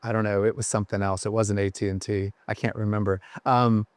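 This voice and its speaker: A man's voice: lowish voice, flat delivery, a little fast, dry recording. A man guesting on a podcast, telling rambling, self-deprecating stories about his career with lots of fillers. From Ohio. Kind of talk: casual podcast chat.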